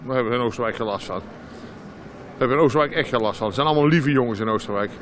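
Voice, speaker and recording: A man's voice: medium pitch, quick pace. Older man, broad Brabant Dutch accent. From Brabant, Netherlands. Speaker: market passer-by being interviewed. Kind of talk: casual street chat. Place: outdoor market street. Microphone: handheld interview microphone. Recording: outdoor street with faint noise.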